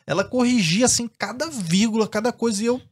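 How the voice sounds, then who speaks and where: A Brazilian man chatting casually and telling stories with animation and easy laughter, with a husky voice. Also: very high voice, a little fast. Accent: Brazilian Portuguese. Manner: animated, storytelling, laughs easily. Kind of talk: casual chat.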